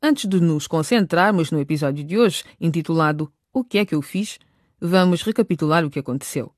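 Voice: mid-range voice, animated, fairly quick, no room sound, studio quality. A narrator presenting a scripted radio drama and recapping the story.

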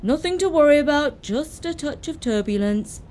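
Woman voicing a forties dad, soothing, cheerful, mellow, lively pitch. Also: moderate pace, a little hiss or hum. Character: reassuring father turning forty.

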